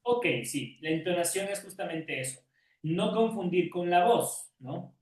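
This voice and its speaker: A man's voice: sits high, animated, a little slow, darkish tone. A male teacher giving an online class lecture, often checking in with questions and calling on students by name. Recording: roomy echo, distant from mic.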